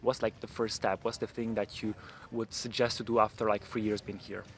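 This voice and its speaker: A young man hosts a relaxed chat outside, his voice sitting fairly low. He talks in loose, restarting phrases full of fillers. A faint outdoor hum sits underneath. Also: brisk. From Italy. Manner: hesitant, many fillers. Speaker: vlogger host. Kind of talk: casual interview chat.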